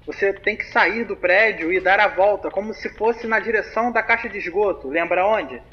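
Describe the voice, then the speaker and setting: A man's voice: high voice, moderate pace, lightly acted. An actor playing a young man, casually telling a spooky story over a phone call in slangy talk. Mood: chatty. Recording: muffled phone-call recording, faint hiss.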